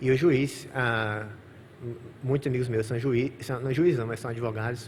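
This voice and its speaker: Audible room echo around a man's medium-pitched speech with ordinary pitch variation. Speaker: neurologist and research professor. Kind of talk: conference lecture. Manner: fast.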